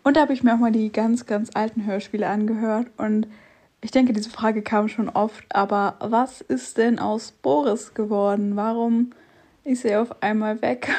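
A woman's voice: a little high, fairly even intonation, moderate pace, warm tone. A nineteen-year-old woman sending in a recorded listener question, chatty and a little rambling.

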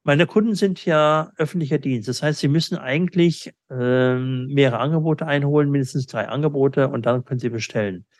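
Low-pitched man, halting interview answers. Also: darkish tone, no echo. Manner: halting, with frequent pauses mid-sentence. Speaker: interviewee, company owner and sales agent. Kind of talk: reflective business interview answers.

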